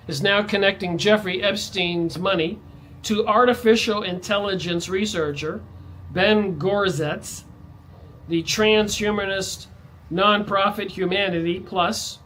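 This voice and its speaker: A man's voice: high-pitched, a bit bright, slight background noise, low-quality recording. A man vlogging in a ranting monologue, his voice jumping up sharply on stressed words. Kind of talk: monologue to camera.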